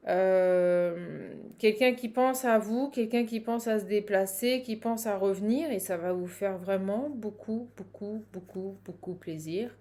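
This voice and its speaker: A woman's voice: mid-range voice, a little slow, warm tone. A woman with a Parisian French accent giving a casual improvised card reading to viewers, chatty and exclamatory, repeating herself and breaking off mid-thought. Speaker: tarot card reader and channel host.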